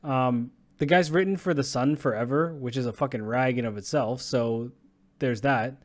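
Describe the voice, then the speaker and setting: A man's voice: mid-range voice, normal speed. A young man co-hosting a casual sports podcast, ranting bluntly and profanely, often breaking into laughs. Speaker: podcast co-host.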